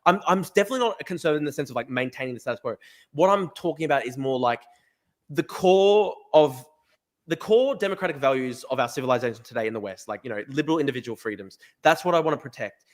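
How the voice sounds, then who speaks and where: An Australian man hosting a live-stream podcast, talking rapidly and emphatically with lots of fillers and restarts. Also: medium pitch, lively intonation. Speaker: podcast host. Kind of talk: live stream chat, reading viewer comments.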